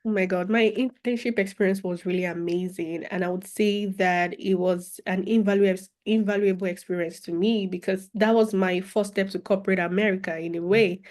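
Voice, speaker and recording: Expressive young woman with a Nigerian accent. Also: mid-range voice, fairly quick, few pauses. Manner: expressive, animated, with laughter and repeated phrases. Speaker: guest, former international student. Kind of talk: conversational interview storytelling.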